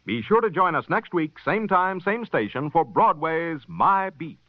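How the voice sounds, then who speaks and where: A male announcer reading credits in a formal, measured voice that moves briskly up and down. The sound is a dull, old radio broadcast. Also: on the high side, big pitch swings, no room sound.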